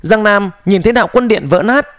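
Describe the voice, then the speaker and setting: A man narrating a fantasy audiobook in a steady, measured storytelling voice, close to the mic. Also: high-pitched, dry recording.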